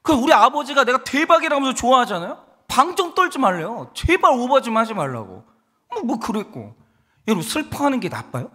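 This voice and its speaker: A man's voice: very high-pitched, a little fast, husky. A man in his thirties preaching a sermon as a pastor, telling stories animatedly and acting out quotes from people. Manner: animated storytelling with acted quotes. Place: church sanctuary. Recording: long hall reverb.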